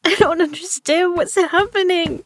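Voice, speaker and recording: A woman's voice: very high-pitched, steady tone, moderate pace, fairly bright tone, a little hiss or hum. A woman acting a battered but tough poker player in an audio drama, her delivery strained and gasping. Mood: frightened, pleading.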